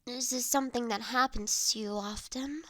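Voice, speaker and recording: A woman playing a gentle, courteous young noblewoman who looks after the listener in an intimate roleplay audio drama, with soft, formal, old-fashioned phrasing. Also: fairly high pitch, steady tone, moderate pace, dry recording. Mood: concerned. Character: gentle, courteous young noblewoman, doting new master of an automaton.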